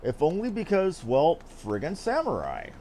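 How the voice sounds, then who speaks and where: A man's voice: on the high side, wildly swooping pitch, normal speed, warm tone, slight background noise. A man giving casual, offhand gameplay commentary with geeky asides as he streams. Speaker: game streamer.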